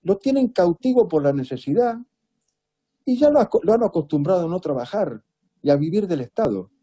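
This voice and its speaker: A man's voice: high voice, very animated, brisk, mellow, husky. A man from Buenos Aires with a Rioplatense accent, giving emphatic, rhetorical political commentary as an interview guest. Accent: Rioplatense Spanish. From Buenos Aires, Argentina. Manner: emphatic, rhetorical, repeats "¿es cierto?".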